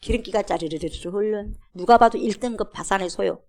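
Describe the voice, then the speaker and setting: A woman's voice: mid-range voice, brisk, a little mellow. A woman pastor preaching a sermon in a church, emphatic, firing rhetorical questions at the congregation and acting out quotes. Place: church sanctuary.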